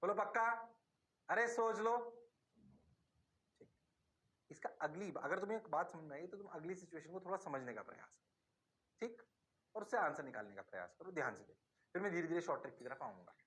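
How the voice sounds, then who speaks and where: A man teaching in a high, bright voice that rings with energy. He coaxes and teases his students, firing the same question at them over and over until they answer. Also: brisk, long pauses. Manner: animated, coaxing, repeats questions to the class; playful. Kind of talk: classroom lecture.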